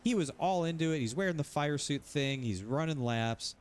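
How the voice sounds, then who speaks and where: A man's voice: a little high, lively intonation, moderate pace, clean tone. A man streaming sim racing, ranting casually, rambling and repeating himself, swearing freely. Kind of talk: casual livestream rant.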